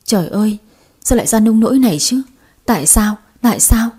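A woman's voice: medium pitch, moderate pace, dark tone, husky, close to an everyday voice. A woman voicing a young man who comforts his girlfriend. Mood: anguished. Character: young man, loving then panicked boyfriend.

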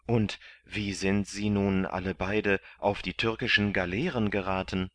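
A man voicing an earnest, excitable young hero who pleads eagerly in a raised voice in a storybook reading. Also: low-pitched, unhurried, dry recording. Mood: eager, excited.

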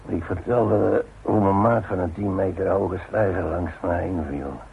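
Gravelly old working-class father, muffled radio. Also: deep voice, fairly even intonation, a little slow, full character voice. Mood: rueful, reflective. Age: older. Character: gruff, stubborn old working-class father, retired workman. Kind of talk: radio play acting. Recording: muffled narrow-band old radio recording with hiss.

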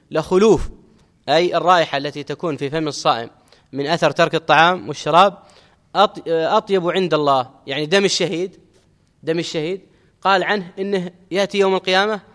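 A middle-aged man teaching an Islamic religious lesson, explaining a text and quoting scripture, with measured teaching and key phrases repeated for emphasis. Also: on the high side, fairly bright tone. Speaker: Islamic scholar teaching hadith commentary. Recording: long hall reverb.

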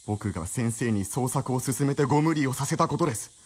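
妻である女性を厳しく問い詰める青年を演じる男性俳優。ラジオドラマの芝居。. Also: male voice, mid-range voice, lively intonation, fairly quick, breathy edge. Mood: indignant. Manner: agitated, pressing questions. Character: earnest young male writer's companion, indignant. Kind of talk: radio drama acting.

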